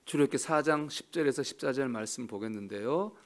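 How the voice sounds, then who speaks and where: A man preaching a sermon as pastor, swinging between soft murmurs and loud emphatic cries and putting questions to the congregation. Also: mid-range voice, a little fast.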